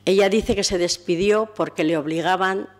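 A woman narrating a documentary in a calm, recounting tone. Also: medium pitch, moderate pace.

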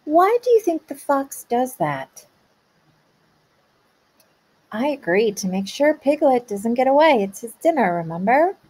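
Husky-voiced teacher asking children questions. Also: female voice, high-pitched, sing-song, a little slow, long pauses, a little mellow. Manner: patient, questioning, speaks to children. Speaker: kindergarten teacher. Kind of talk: read-aloud comprehension questions.

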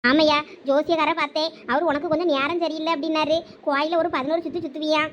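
A woman's voice: sits high, steady tone, quick pace, muffled recording, slight background noise, natural voice. A woman in a village comedy skit, voicing a fretful, superstitious mother who coaxes her son. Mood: pleading. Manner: pleading, coaxing.

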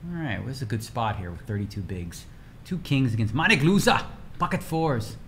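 Man in his forties, chatty livestream talk, energetic and rambling, home desk mic, faint room hum. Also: medium pitch, fairly quick. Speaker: poker streamer. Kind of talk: casual livestream chat.

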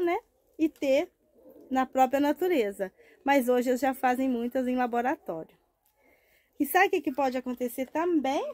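A woman in her fifties from Brazil, slightly hoarse from a cold, talks into a clip-on mic in a shaded plant nursery. Her voice sits high for a woman. She chats in an affectionate, informal way, with plenty of tag questions and diminutives. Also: a little mellow. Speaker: succulent grower. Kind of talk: casual plant-care vlog. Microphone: wired lapel mic.

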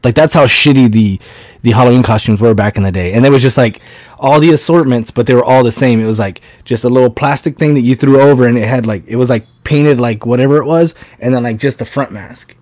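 A man in his late thirties talks over a video call in a loose, rambling way, swearing often. His voice sits at an ordinary middle pitch. The sound is dry and close, with no room echo. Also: quick pace, darkish tone. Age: 30s. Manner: rambling storyteller, swears freely. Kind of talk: casual livestream chat.

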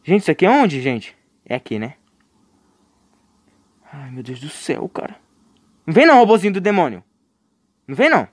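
A man's voice: a little high, very animated, a little fast, pauses often, no room sound, studio quality. A young man with a Brazilian Portuguese accent streaming a horror game live, joking with his chat and breaking into panicked yelps when scared. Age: young adult. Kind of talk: live gameplay commentary.

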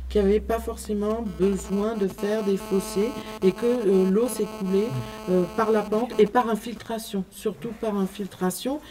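A woman's voice: mid-range voice, poor audio. A woman presenting a planning design to a group standing around a table, hesitant, with many fillers and restarts. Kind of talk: explaining a plan around a table. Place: meeting room, group standing round a table.

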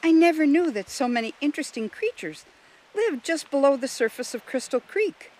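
A man plays a wide-eyed young girl in a children's storybook. The voice is raised high and swings with earnest curiosity. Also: expressive, moderate pace, a little mellow, rough recording. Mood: amazed. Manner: earnest, inquisitive.

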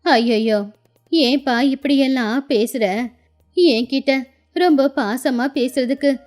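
A woman voicing an affectionate, sorrowful elderly village grandmother, speaking slowly and plaintively in a children's moral story. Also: sits high, a little mellow, faint music behind. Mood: tender, resigned. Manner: plaintive, slow, tender.

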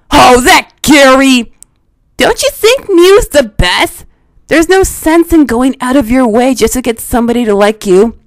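Lady voicing a spunky anime kid hero, high bouncy voice, kinda slow, eager. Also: dry recording, poor audio. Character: eager spirited boy hero, about ten. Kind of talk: cartoon voice impression demo.

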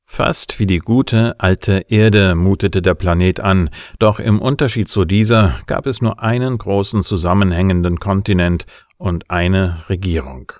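A man's voice: low voice, a little slow, a little mellow, no room sound, clean studio sound. An actor playing a cocky, wry bounty hunter who narrates his case in a laconic, flippant audio drama style. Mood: wry, detached. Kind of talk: hard-boiled first-person audio drama narration.

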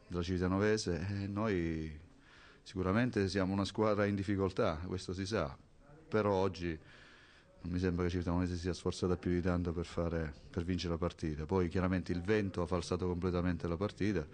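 A man speaking as a football coach in a post-match interview, halting and resigned. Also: low-pitched, a little mellow.

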